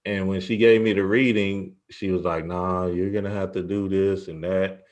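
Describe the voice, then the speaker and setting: A man's voice: sits low, flat delivery, moderate pace, darkish tone. A man hosting a casual spiritual interview, speaking in an informal, slangy way. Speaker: interviewer and show host.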